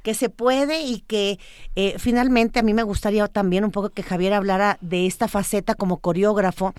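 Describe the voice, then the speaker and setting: A woman interviewing a guest, speaking haltingly and with enthusiasm. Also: mid-range voice, steady tone, a little mellow, clear, resonant tone, no echo, studio quality. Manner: halting, many fillers and restarts, enthusiastic. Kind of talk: interview, hesitant chat.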